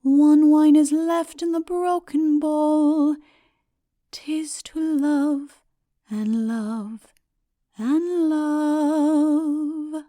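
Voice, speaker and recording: A woman voicing a mysterious ancient woman who sings slow, solemn, tender verse in a fantasy audiobook. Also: sits high, fairly even intonation, mellow, voice pushed up. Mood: mournful, singing. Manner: drawn-out, melodic, solemn.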